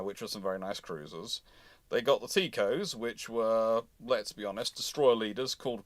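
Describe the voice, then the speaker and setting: A man with a medium-pitched voice hosts a live question session in a conversational, opinionated way. He repeats phrases to drive a point home. The sound is dry, with very little room in it. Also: a bit bright, dry recording. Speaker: host of naval history live stream. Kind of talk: informal live question-and-answer commentary.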